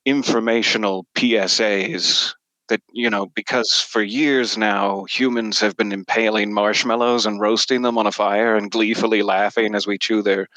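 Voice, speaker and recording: A man's voice: fairly low pitch, steady tone, moderate pace, bright, forceful tone, dry recording, rough recording. A middle-aged man telling anecdotes as an interview guest in a casual, wryly self-deprecating way. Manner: self-deprecating, wry humour. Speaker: interview guest, podcast narrator.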